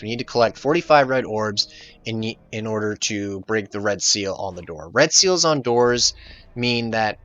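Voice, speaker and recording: A man's voice: on the low side, bright, forceful tone, dry recording. A man giving casual, jokey gameplay commentary as the host of a let's play.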